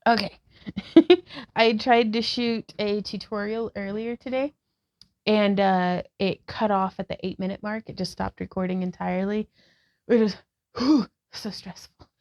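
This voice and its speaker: 30s woman walking you through yoga poses, calm and gentle, bit of vocal fry, kinda muffled sound. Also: mid-range voice, a little slow. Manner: calm, gentle cueing with breath prompts. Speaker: yoga vlogger and instructor. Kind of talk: guided yoga instruction. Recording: slightly dull lo-fi sound.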